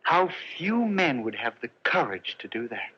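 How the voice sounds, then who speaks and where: An actor playing a meek, gentle Christian tailor who talks soothingly and cajolingly, in 1950s film acting. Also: male voice, medium pitch, big pitch swings, normal speed, slightly rough, exaggerated voice. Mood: coaxing. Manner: soft, coaxing and cajoling, talks baby-talk to the lion. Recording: dull old film soundtrack with hiss.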